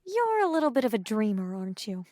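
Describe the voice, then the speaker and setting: An actress playing a chatty, teasing young female coworker in an audio drama, with an expressive manner. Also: mid-range voice, quick pace, dry recording, studio quality, lightly acted.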